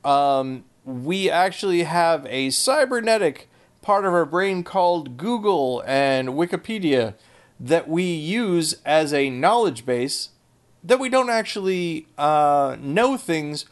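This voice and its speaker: Man, podcast co-host, casual chat, sarcastic, rambling, slightly high-pitched. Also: lively intonation, slow pace, clean tone. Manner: dry sarcastic humor, rambling asides.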